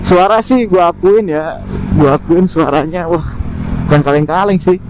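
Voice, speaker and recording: A man's voice: high-pitched, moderate pace. A man giving a casual, slangy, unscripted gear review, thinking aloud as he rides, talking into a helmet intercom mic. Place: outdoors on a motorcycle, inside a helmet. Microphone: helmet intercom microphone. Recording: muffled helmet intercom mic, loud vehicle noise. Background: road and engine noise.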